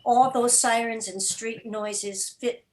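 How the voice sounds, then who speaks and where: A woman's voice: a little high, steady tone, slow, darkish tone, low-quality recording. A woman speaking informally as a guest producer, answering interview questions on a remote video call. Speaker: radio drama and podcast producer, guest.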